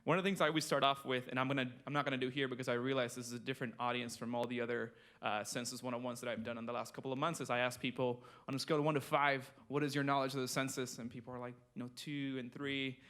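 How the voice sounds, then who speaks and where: Man in his twenties presenting, flat delivery. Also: mid-range voice, very fast, hardly any pauses. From Mexico. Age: 20s. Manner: conversational, many fillers and restarts, self-deprecating. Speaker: state census project manager presenting. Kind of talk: conference presentation. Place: conference room.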